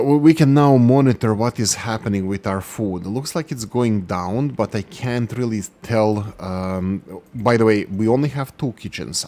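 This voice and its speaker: A man's voice: lowish voice, a little mellow. A man hosting a gaming channel, giving gameplay commentary and thinking aloud as he works through production numbers.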